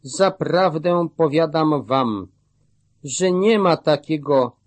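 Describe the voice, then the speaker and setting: Man reading Jesus, calm and solemn. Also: fairly high pitch, takes it slowly, no echo. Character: Jesus, calm authoritative male teacher.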